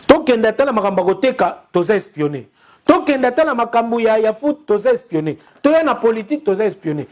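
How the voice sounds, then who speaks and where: A young man with a Congolese accent delivers a fervent commentary straight to his viewers. His voice sits notably high for a man, and he drives his case with insistent, repeated calls to action. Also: big pitch swings, quick pace. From Democratic Republic of the Congo. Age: young adult. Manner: urgent, repetitive, rallying appeals to listeners. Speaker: online TV commentator. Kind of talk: impassioned commentary to camera.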